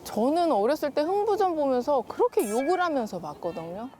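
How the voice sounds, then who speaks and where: Woman, high-pitched and very animated, expressive explainer as an interview guest, faint background noise. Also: fairly quick. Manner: expressive, explains with rhetorical questions and acted-out quotes. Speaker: guest children's literature author. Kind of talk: explanatory talk-show interview.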